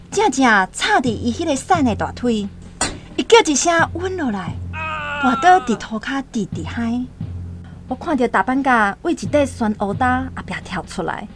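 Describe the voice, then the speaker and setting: A woman with a Taiwanese accent playing a frightened young tribal woman in a radio drama. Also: sits high. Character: terrified young tribal woman fleeing her attackers. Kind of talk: dramatic first-person radio drama telling.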